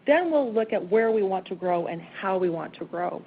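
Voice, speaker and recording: A woman's voice: medium pitch, expressive, moderate pace. A woman executive giving emphatic, businesslike answers on an earnings conference call. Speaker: company executive. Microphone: conference call line. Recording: narrowband phone line, faint noise.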